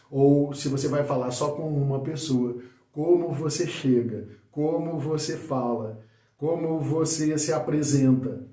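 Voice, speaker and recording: A man gives a spoken lesson on public speaking, shifting his loudness, speed and pitch on purpose to demonstrate. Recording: roomy echo.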